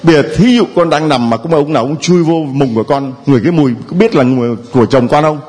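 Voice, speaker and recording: A man's voice: on the high side, fast, a little mellow. A man, a Catholic priest, giving a sermon and playfully teasing members of the congregation. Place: church.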